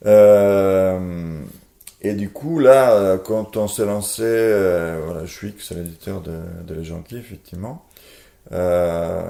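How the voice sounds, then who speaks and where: A man's voice: sits low, mellow, roomy sound. A man with an Italian accent, a board game publisher talking casually in an interview, hesitant with many fillers and restarts.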